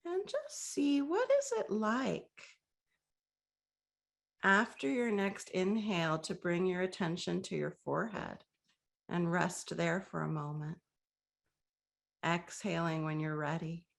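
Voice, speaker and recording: A woman leads a breathing meditation in a soft, gently inviting voice. She speaks very slowly, leaving long pauses between phrases. Her voice sits a little low and has a noticeable gravelly fry. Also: lively intonation. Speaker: meditation guide. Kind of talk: guided meditation.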